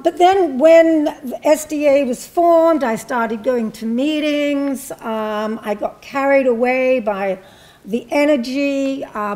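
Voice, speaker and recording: Older woman, from England, fairly high voice, reflective, hesitant ums, panel talk in a hall. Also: darkish tone. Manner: reflective, measured, with frequent ums and restarts. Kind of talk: personal recollection at a panel talk. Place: university hall with a seated audience.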